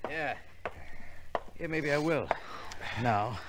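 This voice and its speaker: A man's voice: on the high side, takes it slowly, background noise. An American man acting a wary, cornered tough guy in a 1950s radio drama, terse and slangy. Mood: weary, relenting.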